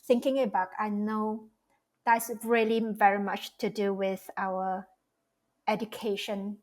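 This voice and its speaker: A woman's voice: mid-range voice, level tone, unhurried. Reflective woman, casual interview. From Malaysia. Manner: reflective, speaks in loose restarting phrases. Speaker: guest, cultural strategist.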